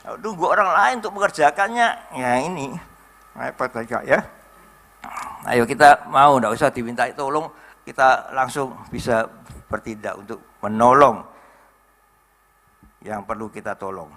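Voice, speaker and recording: A man's voice: medium pitch, normal speed, long pauses, fairly bright tone. A middle-aged man, preaching a sermon as the pastor in a folksy, chatty way full of anecdotes.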